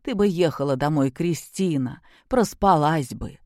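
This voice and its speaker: A woman voicing a tired older woman who speaks quietly and reproachfully. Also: sits low, expressive, a little slow, dry recording, clean studio sound. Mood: weary. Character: weary older woman, grandmother.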